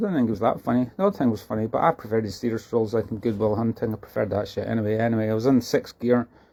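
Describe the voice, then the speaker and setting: A man with a Scottish accent talks very fast at a medium pitch. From Scotland. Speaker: amateur cyclist and vlogger. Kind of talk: casual monologue vlog. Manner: rambling, halting with many restarts.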